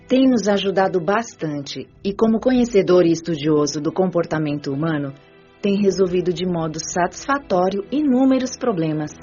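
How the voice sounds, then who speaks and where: A woman's voice: on the low side, darkish tone, muffled recording, lightly acted. An actress playing a practical young female nurse, speaking respectfully in a radio drama.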